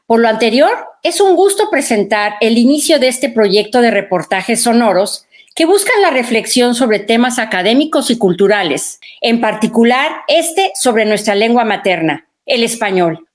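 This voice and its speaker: Lively formal woman presenter. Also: a little high. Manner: formal and ceremonious. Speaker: program presenter. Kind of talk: formal read welcome speech.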